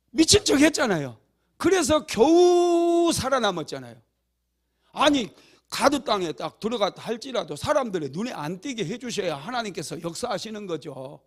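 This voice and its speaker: High gravelly-voiced male pastor. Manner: animated, swings from loud exclamations to quiet asides. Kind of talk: sermon. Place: church.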